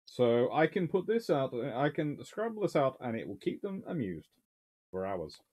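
A man's voice: medium pitch, very animated, normal speed, a little mellow, breathy edge. A man, casually answering viewer questions from a home study, chatty and wry with dry humour. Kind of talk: casual livestream Q&A. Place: small home study with bookshelves.

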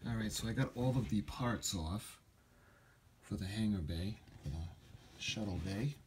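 A man giving a casual hands-on hobby tutorial, thinking aloud in a halting way as he works at home. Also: lowish voice, a little mellow. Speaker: hobby model builder, video host. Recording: noisy handheld home video sound.

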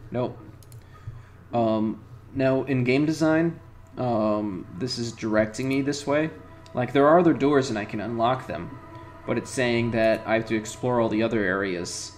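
Rambling man commenting on a game. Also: medium pitch. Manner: rambling, thinking aloud with fillers. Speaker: let's play host. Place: home room.

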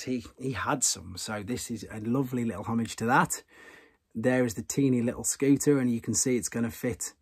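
Husky-voiced man chatting about toys. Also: mid-range voice. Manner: chatty, enthusiastic, repeats himself. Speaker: toy channel host. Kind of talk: casual toy news vlog. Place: room with toy shelves behind.

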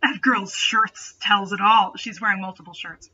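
A woman's voice: mid-range voice, fairly even intonation, moderate pace, bright, forceful tone, highs cut off, a little hiss or hum. A young adult woman reading a story aloud with dramatic delivery and sarcastic, mocking asides. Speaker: host reading fan fiction aloud. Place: small bedroom, indoors.

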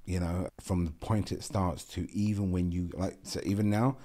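This is a deep, mellow-voiced man with a South London accent, speaking as a podcast guest in a small studio. He talks earnestly and repeats words as he thinks. The sound is close and clean from a boom-arm mic. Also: moderate pace. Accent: South London English. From South London, England. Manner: earnest, repeats words, animated with hand gestures. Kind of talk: casual interview talk. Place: small bright studio room with a window. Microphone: boom-arm podcast microphone.

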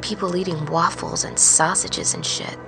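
A woman playing a weary, haunted truck driver, musing in a hushed, halting monologue for a fiction podcast. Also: lowish voice, steady tone, gravelly, over music, poor audio. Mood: haunted, grave. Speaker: narrator of serial fiction podcast. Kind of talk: dramatic first-person audio fiction monologue.

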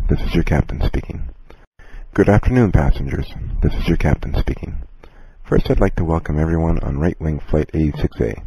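Man as a very deep-voiced, husky airline captain. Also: dark tone, exaggerated voice, poor audio. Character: calm, courteous male airline captain. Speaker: airline captain in a listening lesson. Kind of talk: scripted in-flight announcement.

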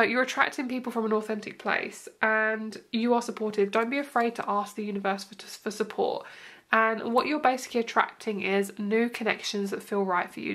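Indoors, with her table viewed from above, a young tarot reader gives a chatty, reassuring reading to camera despite a nose blocked by hay fever. Her voice is medium-pitched and a bit bright, and she uses lots of fillers in this casual reading.

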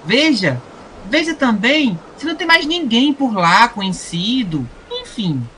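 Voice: mid-range voice, big pitch swings, measured pace, sharp tone, slight background noise. An actor with a Brazilian accent playing a dutiful young prince placating his father in an audio drama. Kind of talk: comic audio drama acting.

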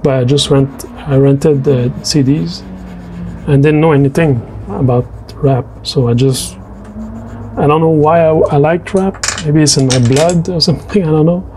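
A man's voice: a little high, moderate pace, mellow, a little hiss or hum. A man with a French Canadian accent, a native French speaker, chatting casually in a voice-over about his drawing and his tastes, hesitant with many restarts. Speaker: artist narrating a drawing video.

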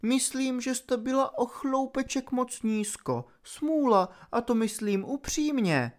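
A man reading an audiobook and voicing a scheming female pixie villain who taunts softly and slowly. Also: very high voice, animated, voice pushed up. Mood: mocking.

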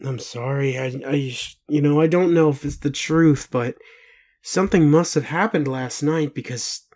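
A man playing a bewildered, doubting but gentle partner in an intimate roleplay audio, speaking haltingly with pauses. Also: a little high, lightly acted. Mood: apologetic, worried. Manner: halting, hesitant, full of pauses and sighs.

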